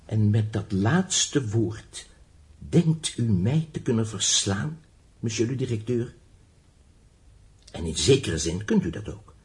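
Fervent young idealist, widely swinging pitch. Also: male voice, darkish tone. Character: earnest young blind inventor-teacher, stubborn, idealistic, lonely. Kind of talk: Dutch radio play acting.

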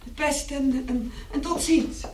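A woman's voice: sits high, steady tone, a little slow, a little mellow. An actress playing a timid, servile housemaid in a radio drama, stammering and breathless as she addresses her employers. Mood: relieved, flustered.

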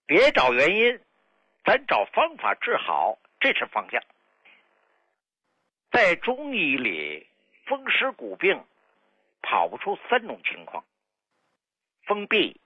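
An older man, a traditional medicine doctor, tells a patient's story in a folksy, dramatic way on a radio health show. His voice is mid-range and husky, recorded dry with dull lo-fi broadcast quality.

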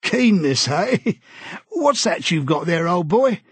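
A man's voice: high voice, very animated, slow pace, slightly rough, dry recording, voice pushed up, heavily acted. A man reading aloud, voicing a bluff, hearty middle-aged man who is an eager busybody, talking in a jovial, chummy, pushy way.

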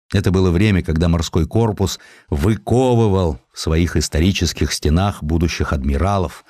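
A man with a low voice narrates a historical tale in a theatrical, ironic manner. His intonation swings widely from phrase to phrase. The sound is very dry, with no room around it. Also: a little mellow, no room sound. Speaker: narrator of a historical audio sketch. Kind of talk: expressive scripted literary narration.

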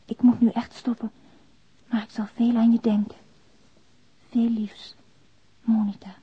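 An anxious, high-voiced young mother confessing. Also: flat delivery, unhurried, husky. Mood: sad, apologetic. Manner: intimate, confiding, hesitant, lapsing into near-whispers. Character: anxious, naive young mother confessing a bank robbery by letter. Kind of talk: radio drama monologue, letter read in voice-over. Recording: dull, roomy radio drama recording.

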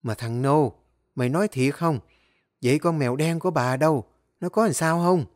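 A man voicing an impatient, sharp-tongued older woman, mistress of the house, in a spoken story. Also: sits high, sing-song, normal speed, voice pushed up. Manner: scolding, impatient.

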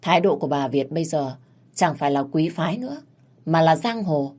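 Người phụ nữ đọc truyện, giọng khàn, nhịp kể đều và kịch tính. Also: female voice, low-pitched, a little fast. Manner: steady, dramatic storytelling. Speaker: storyteller. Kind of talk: audio story narration.

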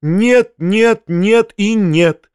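Male reader as a giddy spinster: pitched well up, breathless exclamations, audiobook. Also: expressive, measured pace, no echo, studio quality. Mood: gushing, ecstatic. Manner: ecstatic, shrill, exclamatory. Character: excitable gushing lady, middle-aged spinster.

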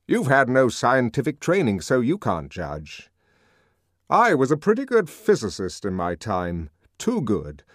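A man's voice: mid-range voice, wildly swooping pitch, dry recording, clean studio sound, pitched above the performer's own voice. Man doing a sardonic, lofty world controller. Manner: measured, sardonic, lecturing. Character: urbane powerful older male world controller, sardonic.

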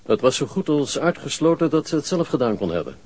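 An actor playing a frank, authoritative hospital doctor in a radio drama, formal, matter-of-fact and emphatic, with a husky voice. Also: male voice, medium pitch, sing-song, brisk, a little mellow. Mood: frank, grave.

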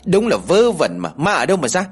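A short-tempered young village mother in a spoken ghost story, voiced higher and louder than the narration, snapping harsh scolds, as a male narrator acts her out. Her husky voice leaps and swings. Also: lively intonation, fairly quick, soft background music. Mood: angry.

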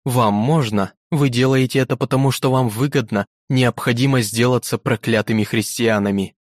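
A man's voice: medium pitch, fairly even intonation, normal speed, no echo, studio quality, lightly acted. A man voicing a proud, defiant young woman on trial, speaking with indignant passion in a storybook reading. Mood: impassioned.

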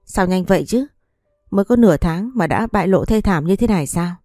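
A woman narrating a first-person audiobook story with a smooth, even storytelling delivery. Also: fairly low pitch, brisk, dry recording, clean studio sound, soft background music.

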